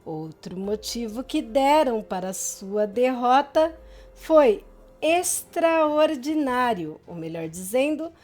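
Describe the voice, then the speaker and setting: Expressive woman reading gothic horror. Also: high-pitched. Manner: expressive, dramatic storytelling. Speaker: audiobook reader. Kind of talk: scripted narration of a gothic novel.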